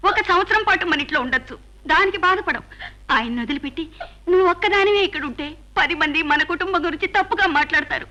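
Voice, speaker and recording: A woman's voice: very high-pitched, fast talker, pushed and bright, highs cut off. An actress playing a worried middle-aged mother who coaxes her crying daughter and comforts her husband in a dubbed film. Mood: anxious. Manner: anxious, pleading, consoling. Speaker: mother and wife.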